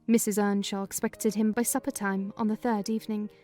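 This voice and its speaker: A woman's voice: medium pitch, flat delivery, fairly quick, warm tone, faint music behind, natural voice. A woman reading a kindly, talkative older housekeeper in a dramatized audiobook. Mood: storytelling. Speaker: narrator voicing housekeeper.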